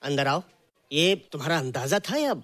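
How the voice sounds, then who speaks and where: A man's voice: on the high side, big pitch swings, moderate pace, a bit bright. An actor playing a surprised male maths teacher who questions a student in wonder. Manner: astonished, questioning. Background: film music.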